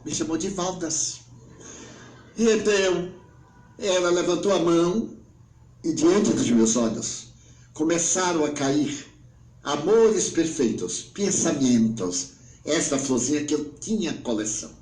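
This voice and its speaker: A man in his nineties with a Brazilian Portuguese accent, giving a spiritual talk as an emotional story, swinging between hushed and exclaiming. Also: on the high side, expressive, slow, roomy sound, poor audio. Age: 90s. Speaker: spiritual speaker.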